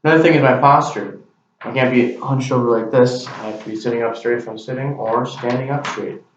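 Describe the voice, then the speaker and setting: A man's voice: medium pitch, fairly even intonation, fairly quick, background noise. A young man giving a class speech to a camera, with an earnest, plain delivery. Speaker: student. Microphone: camera mic. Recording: very echoey, distant, dull camera recording.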